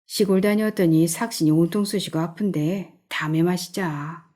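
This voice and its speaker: Woman reading a grumpy middle-aged husband, short curt answers, low mellow tone. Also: steady tone, normal speed, lightly acted. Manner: curt, irritable.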